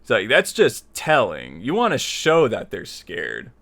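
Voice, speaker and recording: A man's voice: on the low side, huge pitch swings, unhurried, creaky, a bit bright. Man giving a rambling, informal lesson. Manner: conversational and rambling, repeats himself for emphasis. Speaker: tutorial series host. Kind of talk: informal spoken lesson, opinionated explanation.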